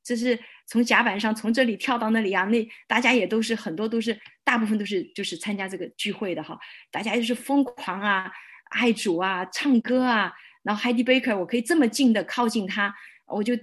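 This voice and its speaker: A woman pastor giving a personal testimony, telling her story in a lively way and acting out her own prayers. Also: on the high side, fairly quick, slightly rough.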